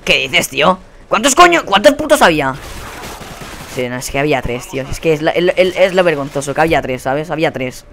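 A young man with a Spain Spanish accent giving live gameplay commentary. He rants in a profane, exasperated way and often bursts into yelling. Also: on the high side, big pitch swings, a little fast, vocal fry, a little hiss or hum. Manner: profane, exasperated ranting with sudden yelled outbursts. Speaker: gaming channel host.

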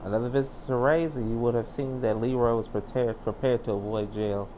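A man's voice: mid-range voice, fairly even intonation, fairly quick, mellow, dull audio. A man who streams games, giving casual, off-the-cuff gameplay commentary. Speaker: game streamer. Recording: faint game noise behind voice.

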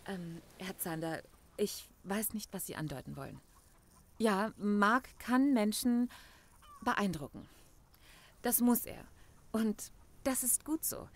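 A woman's voice: medium pitch, slow pace, long pauses. A woman playing an effusive, devout member of a spiritual community in an audio drama, with an inviting, gushing manner. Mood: flustered. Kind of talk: German audio drama acting.

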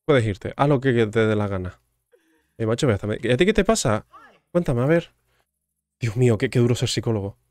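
Gamer guy joking around w the villagers, mostly mumbling low, dry close mic. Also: lively intonation, brisk, pauses often, darkish tone, dry recording. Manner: joking, teasing, chatty with game characters. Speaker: gaming streamer. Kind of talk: casual gameplay commentary.

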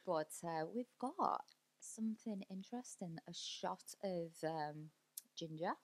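A woman's voice: lowish voice, takes it slowly. A woman in her thirties co-hosting a casual podcast, upbeat and teasing. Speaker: podcast co-host. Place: small cosy studio room, indoors. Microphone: studio mic on boom arm.

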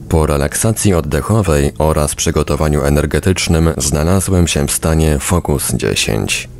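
A man's voice: extremely low pitch, gravelly, a little mellow, slight background noise. A man reading a book aloud as scripted narration. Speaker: audiobook reader on a radio podcast.

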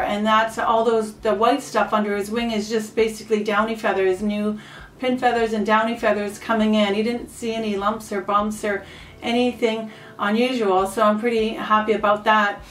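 High-voiced woman chatting. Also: reverberant, distant mic, slight background noise, low-quality recording. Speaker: pet owner and vlogger. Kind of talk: casual explaining and chat.

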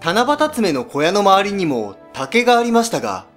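A man voicing a polite, devoted young man in a scripted educational story, speaking earnestly and gently. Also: sits high, very animated, moderate pace, faint music behind. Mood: polite, curious.

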